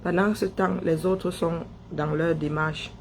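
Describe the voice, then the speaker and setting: A man's voice: fairly high pitch, fairly even intonation, measured pace, a little hiss or hum. A man from Cameroon, giving an impassioned political monologue full of emphatic repetition and rhetorical questions. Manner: emphatic, rhetorical questions, repeats phrases for effect. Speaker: online political commentator.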